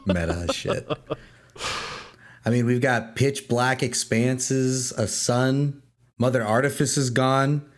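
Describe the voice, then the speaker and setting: A man's voice: mid-range voice, takes it slowly. A man hosting a podcast roundtable, who eagerly quotes favorite lines and laughs along with the guests. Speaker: podcast host interviewing the creators. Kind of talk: casual roundtable chat.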